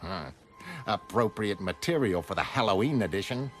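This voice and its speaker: A man's voice: lowish voice, animated, moderate pace, fairly bright tone. A man voicing a bossy, impatient newspaper editor who barks orders. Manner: barking, impatient. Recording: music underneath.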